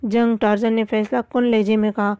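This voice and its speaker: A woman reading a children's story aloud in a steady way, with small slips. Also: on the high side, dry recording.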